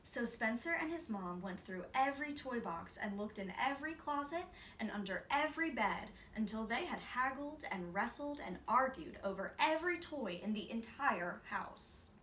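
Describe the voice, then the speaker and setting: A woman's voice: a little high, expressive, normal speed, hardly any pauses, fairly bright tone, distant mic. A woman in her twenties reading a children's picture book aloud expressively in a small room, a few feet from the camera. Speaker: storybook reader. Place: small indoor room, seated. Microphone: camera a few feet away. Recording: roomy, off-mic, faint noise.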